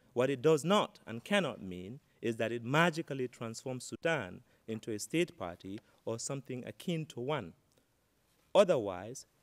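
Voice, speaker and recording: A man's medium-pitched voice with lively intonation, dry and close with no echo. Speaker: legal counsel. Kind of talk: courtroom oral argument. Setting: courtroom. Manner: fast.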